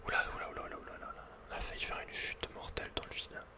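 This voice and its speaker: Racing along in a very high-pitched, breathy whisper with no voicing at all, a man talks casually about his video game in slang, frequently muttering to himself. It's ASMR, delivered close to the microphone.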